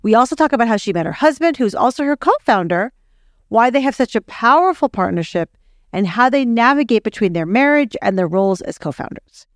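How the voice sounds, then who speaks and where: A woman's voice: fairly high pitch, expressive, brisk, dry recording, studio quality. A woman speaking as a podcast host and interviewer. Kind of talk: scripted podcast introduction and interview.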